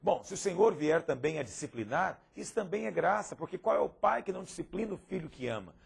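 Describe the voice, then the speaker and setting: A man's voice: fairly high pitch, animated, fast, creaky, husky. A man teaching a Bible lesson in a pastoral course, asking rhetorical questions and acting out the people he quotes. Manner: asks frequent rhetorical questions; acts out quoted speakers.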